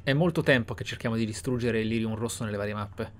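A man narrating a video game playthrough in a measured, deliberate, theatrical way. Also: fairly low pitch, a little hiss or hum. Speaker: gaming channel host. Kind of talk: Let's Play roleplay narration and commentary. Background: video game ambience.

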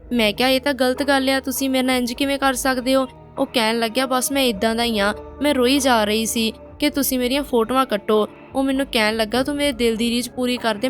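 A woman narrating a painful first-person story in a plain, direct way. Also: fairly high pitch.

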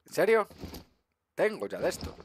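Lively swearing Spanish gamer man. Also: high-pitched, normal speed, a little hiss or hum. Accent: Spain Spanish. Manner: lively, swears often, talks to viewers. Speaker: gaming streamer. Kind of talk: casual gameplay commentary.

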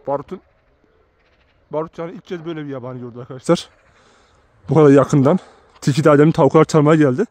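A man's voice: a little high, fairly even intonation, fast talker, long pauses, dark tone. A man who works as a shepherd, talking casually to his viewers outdoors in a farmyard and often calling them friends. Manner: chatty, keeps addressing viewers as friends. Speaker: shepherd vlogger. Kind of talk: casual vlog narration to viewers.

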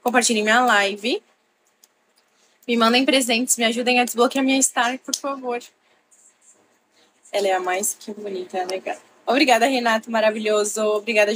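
A woman's voice: on the high side, steady tone, normal speed, a bit bright, a little hiss or hum. A young woman hosting a casual live stream from her bedroom, chatting with viewers and thanking them by name. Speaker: livestream host. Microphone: laptop.

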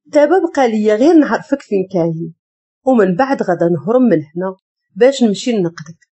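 A woman with a Moroccan accent voicing a frightened but defiant young wife, pleading and indignant, her voice raised high. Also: lively intonation, quick pace, mellow, slightly rough. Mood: tearful relief.

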